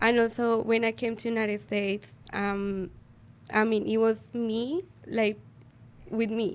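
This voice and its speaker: A woman's fairly high voice with a Spanish accent, fairly slow and flat in intonation, broken by long, frequent pauses. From Colombia, Bogota. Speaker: solar sales rep. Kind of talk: interview conversation.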